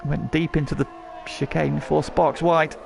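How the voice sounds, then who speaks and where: Male motorsport commentator, gravelly voice, race play-by-play, short present-tense calls, faint engine noise behind. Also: on the high side, level tone, normal speed, a little mellow. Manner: narrates action in short present-tense phrases.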